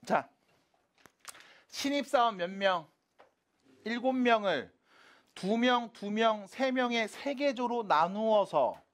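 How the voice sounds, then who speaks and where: Math teacher constantly checking students follow. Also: mid-range voice. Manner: checks in constantly with quick casual questions; mixes casual and polite speech to students. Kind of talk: classroom math lecture.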